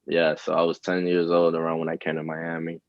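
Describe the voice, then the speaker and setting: A man in his twenties from the Dominican Republic, a rapper answering interview questions in a relaxed, hesitant way with many fillers. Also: sits low, fairly quick, dry recording. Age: 20s. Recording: dull, lo-fi, dry sound.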